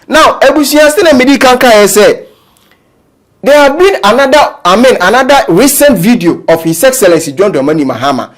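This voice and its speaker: A man presenting the news in a high voice, his pitch climbing and dropping as he tells the story. He has an animated, lively commentator's delivery. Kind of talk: news commentary mixing Twi and English.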